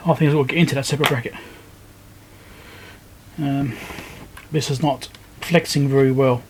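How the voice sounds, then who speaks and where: A man's voice: fairly even intonation, moderate pace, a little mellow. Man narrating a repair, noisy background. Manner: low-key, thinking aloud step by step. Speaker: electronics repair video host. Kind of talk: casual hands-on commentary while working. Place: indoor repair workbench.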